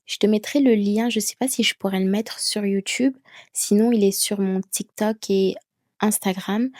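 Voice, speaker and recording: A woman vlogger talking to camera, giving speaking tips slowly and deliberately, with pauses she lets stand. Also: mid-range voice, fairly even intonation, darkish tone, dry recording, clean studio sound. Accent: an accent of her own that people ask about. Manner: slow, deliberate, with chosen pauses. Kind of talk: casual talking-head advice. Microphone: camera mic, speaking to camera.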